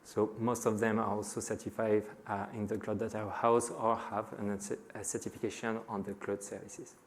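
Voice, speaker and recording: A middle-aged man from France with a French accent, giving a conference talk to a live audience and pausing often on filler sounds. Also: lowish voice, level tone, slight background noise. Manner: frequent hesitations with many "uh" fillers. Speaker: conference speaker.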